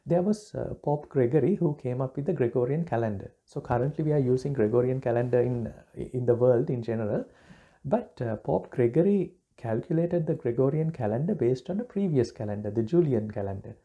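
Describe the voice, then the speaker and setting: A man from Sri Lanka, a Buddhist monk giving a relaxed dharma talk, pausing often with fillers and restarts. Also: mid-range voice, phone-quality sound. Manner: halting, many fillers and restarts.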